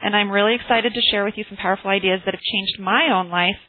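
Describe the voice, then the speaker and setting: A woman's voice: mid-range voice, steady tone, fast, dry recording. A woman hosting a motivational class on a group phone call, speaking earnestly and sharing personal stories over a tinny line. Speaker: host and teacher of a motivational class. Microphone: telephone conference call.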